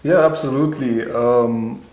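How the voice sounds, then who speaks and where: A man's voice: medium pitch, measured pace, darkish tone. Man with a Durban Indian accent. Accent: Durban Indian South African. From Durban, South Africa. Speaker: interview guest, fitness expert and bodybuilder. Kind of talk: casual interview conversation.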